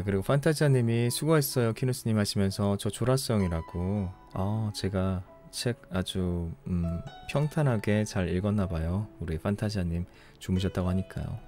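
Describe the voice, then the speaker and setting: Worn out after a long broadcast, the young host of a late-night book-reading stream from Ulsan, South Korea, reads out listener comments in casual chat. His low-pitched voice stays soft and unhurried as he apologizes and thanks his listeners.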